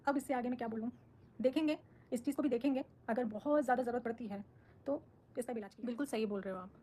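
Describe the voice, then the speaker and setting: A woman talks quickly and firmly on a live stream, answering the comments her viewers send her. She sounds defensive and outspoken, and her voice sits fairly high for a woman. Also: mellow. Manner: firm, defensive, speaks her mind. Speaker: social media creator on a live stream.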